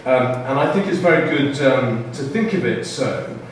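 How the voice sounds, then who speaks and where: A man giving a halting panel talk with many fillers and restarts, in a lecture room before an audience. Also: medium pitch, animated. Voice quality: loud voice. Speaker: panel speaker. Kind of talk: halting public talk from notes. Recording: echoey room, far mic, faint noise.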